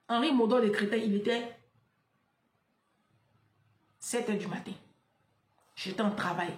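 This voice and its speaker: A woman's voice: a little high, measured pace, reverberant. A woman, delivering a fiery, scolding monologue to camera. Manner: fiery, scolding, repeats "là" and "hein". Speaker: online commentator.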